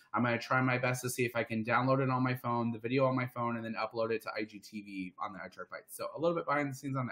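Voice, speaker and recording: A man talks at a very fast pace with an American accent. Noticeable background noise runs under his voice. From US Midwest, Northwest Indiana. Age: 30s. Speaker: online weight-loss community host. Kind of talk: live stream chat. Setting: live stream on laptop. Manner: animated.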